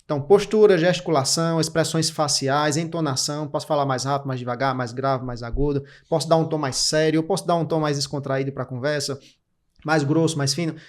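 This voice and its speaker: A Brazilian man in his thirties, a podcast guest, explaining career habits in quick, clipped lists with lots of energy. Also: on the high side, fairly even intonation. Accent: Brazilian Portuguese. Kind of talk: didactic interview talk.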